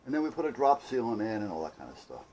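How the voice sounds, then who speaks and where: A man's voice: medium pitch, very animated, fast talker, darkish tone, a little hiss or hum, rough recording. A man talking in a casual, rambling, folksy way, like a DIY vlogger telling a story. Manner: folksy, salty-tongued, conversational.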